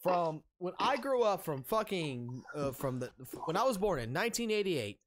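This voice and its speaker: Streamer, thirties, male: heated profane rant, lively pitch, slight hiss on the line. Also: normal speed. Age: 30s. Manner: profane, heated, rambling with restarts. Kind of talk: ranting open discussion.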